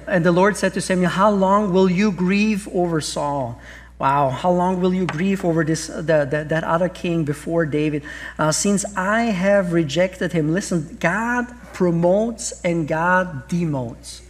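A high-pitched male voice, a little slow, belongs to a middle-aged pastor with an Austrian accent. He preaches an earnest sermon before an audience on a large church stage, often starting over and leaning on rhetorical questions.

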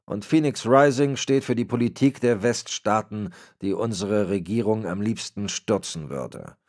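A man voicing a frail, cold old crime boss who gives orders in a raspy voice. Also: fairly low pitch, animated, a little slow, darkish tone, voice pushed up. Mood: icy. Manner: cold, commanding. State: raspy, cracking voice.

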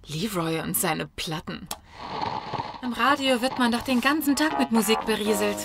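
A woman's voice: a little high, expressive, normal speed, creaky, over music. A woman playing an impatient, curt girlfriend in an audio drama.

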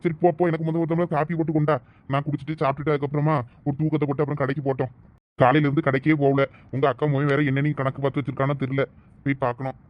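A man's voice: on the high side, little pitch movement, racing, lo-fi sound. A man with a Thoothukudi Tamil accent, bossy and scolding in a village comedy skit. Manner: bossy, scolding husband talk.

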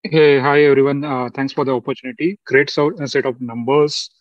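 A man speaking as a financial analyst, asking halting questions on an earnings call over a conference line. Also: medium pitch, fairly even intonation, no echo. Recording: dull, slightly distant conference line.

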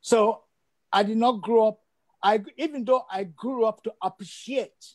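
A man's voice: high-pitched, unhurried. Older man, emphatic on a video call. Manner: emphatic, repeats phrases for stress. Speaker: guest. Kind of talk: interview over video call. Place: indoor room at home.

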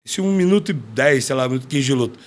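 A man, a former fighter, telling a story in casual chat, slangy and animated, acting out what others said. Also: medium pitch, rapid-fire, background noise. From Brazil. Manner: animated, slangy, acts out quoted dialogue. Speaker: podcast guest, former MMA fighter.

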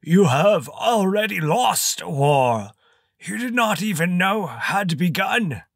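A man voicing a scrawny cloned homunculus creature with a squeaky, wheezing voice and slow, gloating menace. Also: expressive, creaky, no echo, clean studio sound, full character voice. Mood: menacing. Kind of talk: audiobook character voice.

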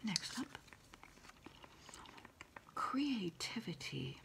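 Middle aged lady doing asmr, whispery n slow, bit of fry in it. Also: mid-range voice, very animated. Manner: soft, unhurried whispering, reading short phrases aloud. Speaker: ASMR roleplay host. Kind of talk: ASMR, quiet whispered roleplay.

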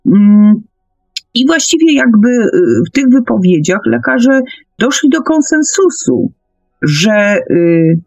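Slow, halting woman in discussion. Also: mid-range voice, a little mellow, no room sound. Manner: halting, searching for words, hesitant. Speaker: speaker on a paranormal radio discussion. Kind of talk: conversational discussion, explaining at length.

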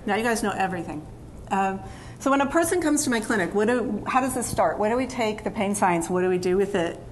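A woman's voice: on the low side, a little hiss or hum, rough recording. Chatty woman giving a conference talk. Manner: conversational, with fillers and quoted asides. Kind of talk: conference lecture. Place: conference stage.

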